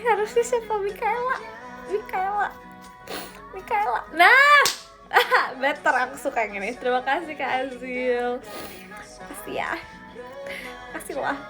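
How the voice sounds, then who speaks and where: High-voiced giggly young woman chatting. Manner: giggly, playful, teasing, frequent laughter. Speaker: idol livestreamer. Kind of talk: casual live-stream chat reading viewer comments.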